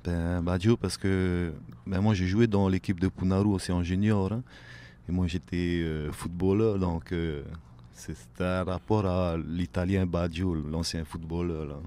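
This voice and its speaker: A man, talking casually as a guest on a radio show, filling pauses with "ben", "hein" and "voilà". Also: sits low, fairly even intonation, warm tone. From Tahiti. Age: late 30s. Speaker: guest, outrigger canoe paddler. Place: radio studio.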